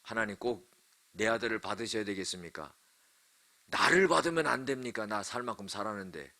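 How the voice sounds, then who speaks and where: A man's voice: on the low side, lively intonation, fairly quick, pushed and bright. A male pastor voicing the old father Abraham, pleading with God in anguish during a sermon story. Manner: pleading, emotional.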